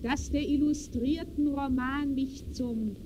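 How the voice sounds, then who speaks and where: A woman's voice: high voice, steady tone, slow. An actress playing a bossy, gossipy society woman with cultural pretensions, speaking emphatically in old radio-play style. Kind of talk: 1920s German radio play acting. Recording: noisy old radio recording.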